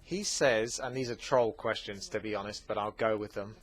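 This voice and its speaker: A man with an Essex accent, hosting a gaming channel, answering viewer questions in a relaxed, chatty way with plenty of fillers. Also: on the low side, moderate pace. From England. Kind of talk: casual Q&A commentary.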